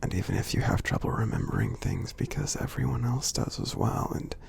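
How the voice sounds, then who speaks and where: A man playing a kind, gentle giant in an ASMR roleplay, speaking softly and reassuringly in a husky, half-whispered voice with many pauses. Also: wildly swooping pitch, full character voice. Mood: soothing, supportive. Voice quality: husky, breathy, gravelly low voice. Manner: slow, gentle, reassuring, pausing often. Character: gentle friendly male giant, supportive and kind.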